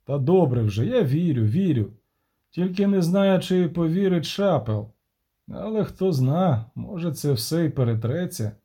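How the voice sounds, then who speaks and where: A man voicing a shrewd, gruff male dwarf banker who talks frankly and cynically in an audiobook. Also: a little high, expressive, measured pace, mellow, heavily acted. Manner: worldly, cynical, frank talker.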